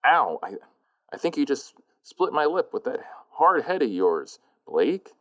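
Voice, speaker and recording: An actor playing a reluctant, soft-hearted crook's lackey in a noir audio drama, stammering and apologetic. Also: male voice, mid-range voice, sing-song, unhurried. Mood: hesitant.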